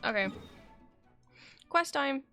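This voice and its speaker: A woman's voice: high-pitched, lively intonation, slow pace, sharp tone. A young woman giving casual, rambling commentary as she live-streams a game, thinking aloud over game music.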